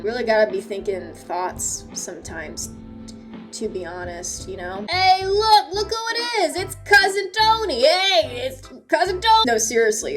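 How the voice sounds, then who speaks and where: Playful, high-voiced woman commentator over music. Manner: playful, sarcastic, slangy, with mock-dramatic asides. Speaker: host of an analog horror analysis video. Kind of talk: casual, joking video-essay commentary over clips. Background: background music.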